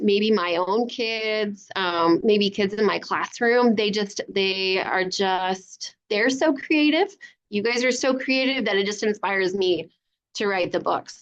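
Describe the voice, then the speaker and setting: A woman's voice: mid-range voice, fairly bright tone, dull audio. A woman, a children's book author, answering young children's questions in an encouraging, simple way on a live online event.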